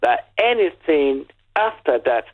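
A man's voice: a little high, a little slow. Nigerian man calling in by phone. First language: Yoruba. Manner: storytelling, lively, with restarts. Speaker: caller. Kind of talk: phone-in chat. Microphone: telephone. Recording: tinny phone line.

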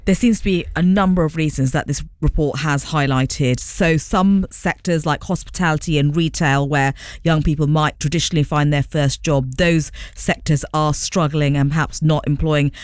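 A woman reporter lays out a report's findings on radio in a measured, explanatory way. Her voice sits fairly low for a woman. The studio sound is dry and close. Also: fairly even intonation, no room sound.

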